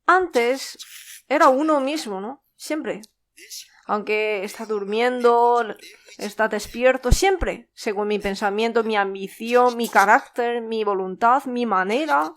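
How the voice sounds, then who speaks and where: A woman's voice: a little high, takes it slowly. A woman preaching a sermon at a church service, reading out scripture verses and asking the congregation rhetorical questions.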